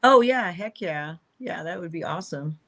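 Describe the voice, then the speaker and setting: A woman's voice: fairly low pitch, animated, normal speed, a bit bright. A woman guest chatting casually in an interview, rambling and trailing off, laughing often.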